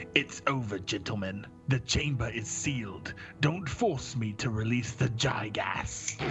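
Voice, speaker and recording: Over clear music in the background, a man does a put-on character voice at medium pitch and a fairly slow pace. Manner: calm, menacing.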